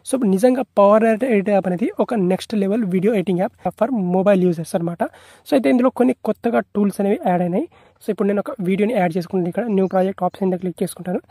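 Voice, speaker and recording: A man's voice: sits high, warm tone, dry recording, studio quality. A man narrating an app tutorial in a repetitive, instructional way, mixing in English tech terms.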